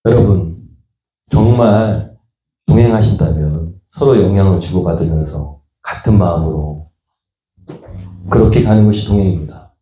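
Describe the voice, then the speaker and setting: A man's voice: low voice, moderate pace, pauses often, warm tone, highs cut off. A middle-aged man preaching a sermon as pastor, talking to the congregation in a conversational way and acting out the voices he quotes. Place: church sanctuary. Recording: echoey church room.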